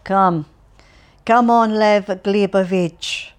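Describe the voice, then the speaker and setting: A woman's voice: mid-range voice, fairly even intonation, extremely slow, smooth. A woman reading an audiobook, voicing a cheerful, chatty elderly man who rambles and stumbles over his words. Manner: rambling, stumbling, relentlessly upbeat.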